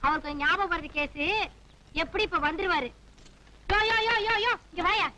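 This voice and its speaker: An actress playing a sharp-tongued young policewoman who scolds and orders people about. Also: very high voice, normal speed, noisy background. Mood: bossy. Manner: scolding, bossy. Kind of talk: 1990s Tamil film comedy.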